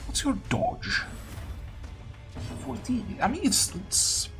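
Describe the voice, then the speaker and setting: Animated man commentating over game music. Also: extremely high pitch, slow, vocal fry. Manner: thinks aloud, muttering questions to himself. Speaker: gaming video host. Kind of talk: casual gameplay commentary. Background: video game music.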